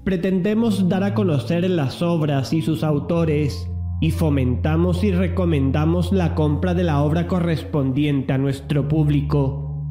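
A man giving a formal scripted announcement, reading out a disclaimer. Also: fairly high pitch. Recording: roomy echo, loud music behind.

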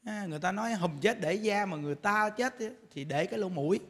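High bright-voiced monk. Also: male voice, fast talker. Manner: humorous storytelling, laughs while talking. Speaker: Buddhist monk giving a Dharma talk. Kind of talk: sermon. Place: temple lecture hall. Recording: long hall reverb.

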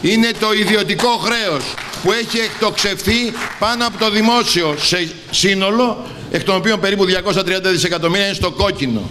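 A man's voice: sits high, background noise. A middle-aged man speaking urgently and emphatically about the economy at a podium.

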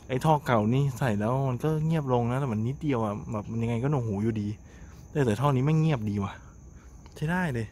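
A chatty man talks casually to camera by a roadside at night, exclaiming now and then. His voice sits at an ordinary middle pitch. Passing traffic and engine noise sound clearly behind him on the camera audio. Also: a little mellow. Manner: chatty, exclaims often, drawn-out asides. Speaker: motorcycle vlogger. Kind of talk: casual vlog commentary. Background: passing cars and engine noise.

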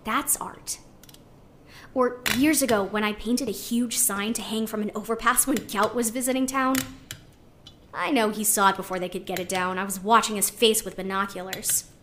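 A woman's voice: medium pitch, steady tone, normal speed, fairly bright tone, a little hiss or hum, natural voice. A woman playing a spirited, idealistic young artist musing conversationally into a recorder in an audio drama. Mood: fond, reflective. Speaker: actor in a sci-fi audio drama. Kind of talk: audio drama monologue, naturalistic.

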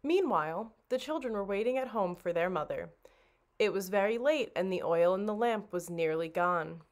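A woman narrates a children's tale at a medium pitch. Her storytelling is expressive and dramatic, in the manner of a children's librarian reading aloud. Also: normal speed.

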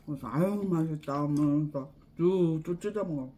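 A woman's voice: low-pitched, moderate pace, warm tone. A woman hosting a home eating video, chewing food while she talks casually to her viewers. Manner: chatty, addresses viewers often. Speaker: mukbang host. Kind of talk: casual eating broadcast chat. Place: at home indoors.

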